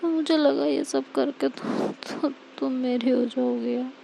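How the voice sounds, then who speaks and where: A woman's voice: high voice, steady tone, slow, creaky, warm tone, a little hiss or hum, exaggerated voice. A woman voicing an insecure young woman who keeps pressing for reassurance. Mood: doubting.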